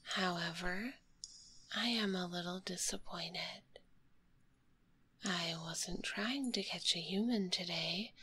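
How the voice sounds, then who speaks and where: A woman playing a kind, curious spider monster girl in a whispered ASMR roleplay, speaking gently in a breathy, politely formal way, close to a binaural microphone. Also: on the low side, takes it slowly, pauses often, exaggerated voice. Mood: wistful, fascinated. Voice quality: breathy, hushed.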